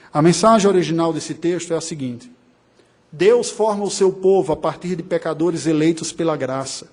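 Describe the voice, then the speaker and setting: A man's voice: fairly high pitch, darkish tone. A man from Brazil preaching an expository sermon, emphatic, with ironic asides and short laughs. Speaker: pastor.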